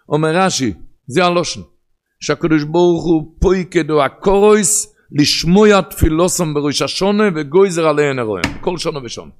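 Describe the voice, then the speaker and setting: A man with an Ashkenazi Hebrew pronunciation giving a sermon in a sing-song study cadence that swings between loud and hushed. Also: a little high.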